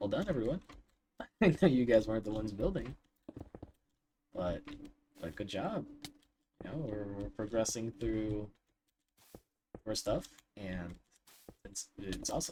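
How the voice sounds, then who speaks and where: Somewhat breathy and dark, mellow in tone, a man speaks at a fairly low pitch and moderate pace, with lively intonation and long, frequent pauses. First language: not English. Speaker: gaming YouTuber. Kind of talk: casual vlog commentary while gaming. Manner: rambling, hesitant with fillers.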